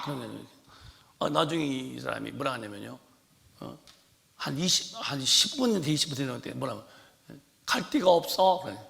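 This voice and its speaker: A male pastor preaches with lively storytelling, dropping to quiet asides and then bursting into shouted commands. His voice is strongly gravelly with a forceful, bright edge. A long reverb fills the church sanctuary around him. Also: mid-range voice. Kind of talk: sermon.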